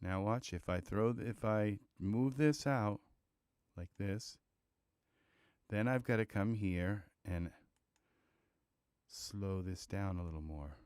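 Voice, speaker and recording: Tutorial host, male, unhurried and easygoing, smooth clear voice, dry close mic, guitar track underneath. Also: on the low side, darkish tone, dry recording. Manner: thinking aloud, loose and chatty, with sound-word beats. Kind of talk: screen-recorded software tutorial.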